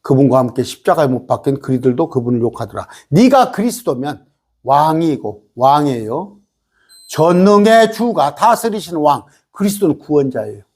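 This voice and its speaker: A male pastor preaches with a high, lively voice that swoops up and down as he drives his points home. His tone is slightly husky, and he keeps firing rhetorical questions and quick "eh?" asides at the congregation. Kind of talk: sermon.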